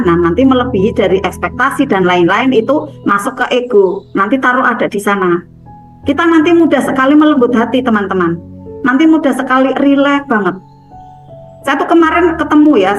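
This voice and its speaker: A woman's voice: a little high, rough recording. A woman giving a casual self-development seminar talk, chatty and often acting out bits of dialogue. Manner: chatty, repeats "gitu kan", acts out dialogue.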